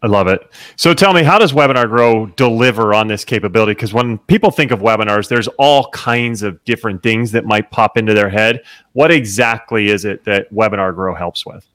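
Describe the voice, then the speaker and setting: A man's voice: fairly low pitch, brisk, a bit bright, no echo. A man hosting a podcast interview, upbeat and enthusiastic as he asks his guest questions. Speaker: podcast host.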